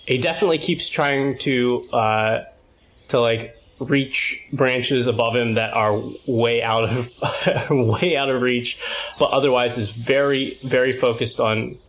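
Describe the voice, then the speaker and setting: A man describes his character in a tabletop role-playing game. His voice is mid-pitched and casual. He speaks haltingly, searching for the next phrase. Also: steady tone, fairly bright tone.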